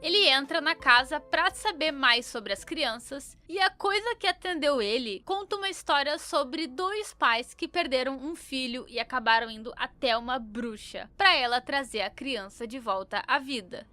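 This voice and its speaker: Bright, high-voiced young Brazilian woman. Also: lively intonation, moderate pace, hardly any pauses, no echo, soft background music. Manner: informal, opinionated asides. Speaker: YouTube commentator. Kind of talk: casual story recap commentary.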